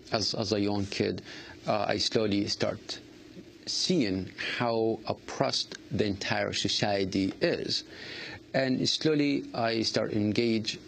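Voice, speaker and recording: A man answering interview questions earnestly, halting often with fillers and restarts. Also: fairly low pitch, gravelly, a little hiss or hum. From Iraq. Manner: halting, many fillers and restarts, non-native grammar. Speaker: artist guest.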